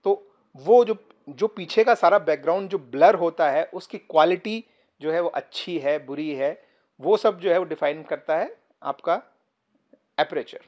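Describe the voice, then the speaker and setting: A man teaching photography to the camera from a sofa indoors. He explains step by step, pauses often and uses fillers, and is recorded by a camera about three feet away. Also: a little high, lo-fi sound. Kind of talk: casual explainer tutorial to camera. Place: indoor room, seated on a sofa.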